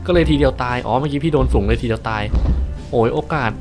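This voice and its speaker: A man's voice: mid-range voice, quick pace, music in the background. A man commentating a live game stream, yelping and exclaiming often as he plays, then thanking his viewers. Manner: excitable, yelps and exclaims often. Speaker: gaming streamer.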